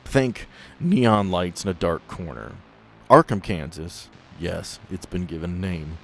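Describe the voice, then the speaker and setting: A man's voice: low voice, expressive, a little slow. A man acting as game master, improvising narration for a tabletop roleplaying game.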